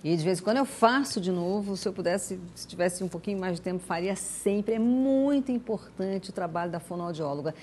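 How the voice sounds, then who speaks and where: Mid-pitched Brazilian woman TV host. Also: fairly quick, hardly any pauses, a little mellow. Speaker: television host. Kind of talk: talk show interviewing and chat. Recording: faint low rumbling background noise.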